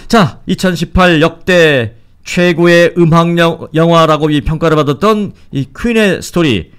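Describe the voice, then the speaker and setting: A man's voice: on the high side, a little slow, clean tone. A man hosting a radio news show in a conversational way, commenting and putting questions to a reporter. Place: radio studio.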